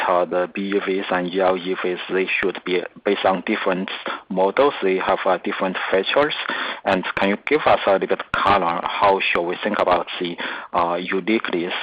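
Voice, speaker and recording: Man, native Chinese speaker, deep voice, husky, halting analyst questions, muffled call audio. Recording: muffled, echoey conference call line.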